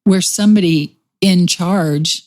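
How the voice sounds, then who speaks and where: Gentle Texan woman, lowish voice. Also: slow pace. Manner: gentle, reassuring, reflective. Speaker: podcast host. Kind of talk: conversational podcast chat.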